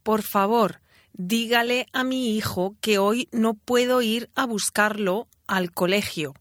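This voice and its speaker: A woman playing a mother who leaves a voicemail for her son's school, speaking slowly, clearly and deliberately in a scripted exam listening dialogue. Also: fairly high pitch, no echo, clean studio sound.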